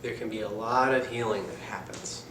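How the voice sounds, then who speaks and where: A man giving a meditation talk in a soft-spoken, reflective manner, with casual asides. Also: on the low side, moderate pace, background noise. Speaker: meditation teacher. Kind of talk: dharma talk. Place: meditation center hall. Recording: echoey meditation hall with faint ambience.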